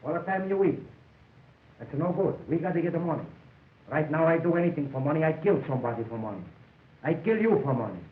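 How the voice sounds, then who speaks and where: Brash hustler, broken english, hissy early talkie film sound. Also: male voice, a little high, lively intonation, quick pace. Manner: wisecracking, pushy, broken English. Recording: tinny, echoey early sound film with hiss.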